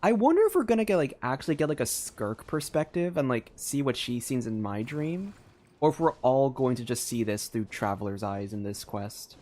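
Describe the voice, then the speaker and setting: Expressive game streamer with swooping pitch. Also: normal speed. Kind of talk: casual live reaction commentary on a game.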